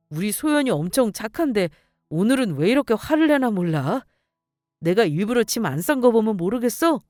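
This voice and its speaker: A woman's voice: mid-range voice, darkish tone, no room sound, studio quality, close to an everyday voice. A woman voicing a spineless young male fiancé who talks in a whiny, pleading way.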